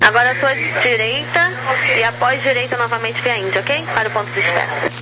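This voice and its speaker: A woman's voice: on the high side, brisk. A Brazilian woman working as an air traffic controller, giving instructions over aviation radio. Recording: noisy aviation radio transmission.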